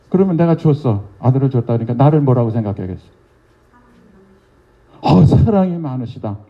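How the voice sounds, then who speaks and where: An older man, a pastor, preaching a lively revival sermon and teasingly quizzing members of his congregation. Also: medium pitch, creaky, dull audio. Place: church sanctuary.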